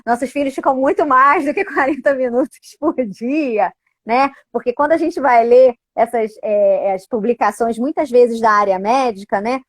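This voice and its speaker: A woman's voice: fairly high pitch, moderate pace, no echo, studio quality. A middle-aged woman, an educator and parent, talking casually and animatedly, often tagging her sentences with little questions. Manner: animated, frequent tag questions. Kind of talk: casual conversational talk.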